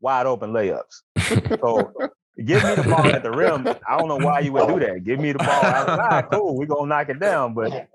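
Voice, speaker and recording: A man's voice: medium pitch, very animated, moderate pace. A man talking as a podcast guest, bantering in an easygoing, casual way. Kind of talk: casual chat. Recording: noisy podcast audio with background chatter.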